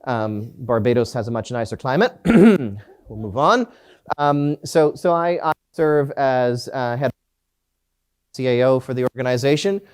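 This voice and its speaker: A middle-aged Canadian man gives a live conference talk in a smooth, medium-pitched voice at a slightly slow pace. He jokes at his own expense and keeps restarting his sentences with fillers.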